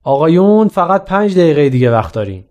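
A man's voice: a little high, sing-song, darkish tone, highs cut off. A man voicing a stern, sarcastic male schoolteacher in a read-aloud story.

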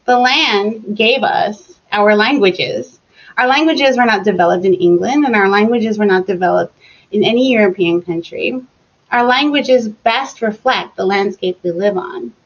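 A woman answering interview questions as an educator, speaking slowly and deliberately as she explains. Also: medium pitch. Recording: muffled lo-fi sound.

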